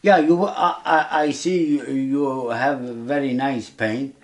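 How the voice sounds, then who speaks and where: Slow-talking man with a Kurdish accent. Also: medium pitch, fairly even intonation. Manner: halting, non-native phrasing with repeated words. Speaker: interviewer. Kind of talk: casual interview in simple English.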